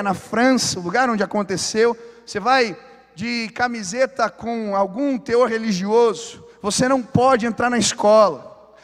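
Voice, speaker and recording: A Brazilian pastor with a strikingly high voice delivers a fervent sermon, easing into chatty asides before pressing his point. His words ring through a church hall with a long, lingering reverb. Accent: Brazilian Portuguese. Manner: impassioned preaching with casual asides and building exhortation. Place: church sanctuary.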